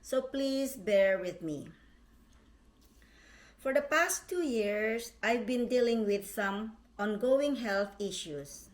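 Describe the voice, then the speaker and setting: Slow-reading woman. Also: on the high side, lively intonation. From Philippines. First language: Tagalog. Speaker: vlog host. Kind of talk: reading a prepared personal statement.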